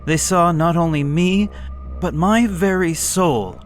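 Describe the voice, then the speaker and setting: A man slowly reading a gothic horror story aloud in a measured, somber way. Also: fairly high pitch, soft background music. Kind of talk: scripted horror narration. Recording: hissy background noise.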